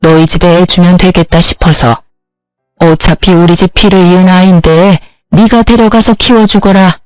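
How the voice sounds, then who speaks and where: A woman's voice: lowish voice, steady tone, moderate pace, a little mellow, no echo, faint music behind, lightly acted, poor audio. A woman voicing a pushy, domineering older mother-in-law who gives scolding commands, in a storybook reading. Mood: commanding.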